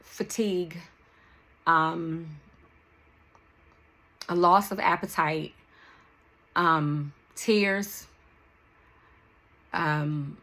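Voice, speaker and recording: A woman from Washington, D.C., hosts a personal podcast monologue, her very bright, forward voice sitting a little low with fairly even intonation. She talks slowly and candidly, breaking reflective sentences into short, halting pieces.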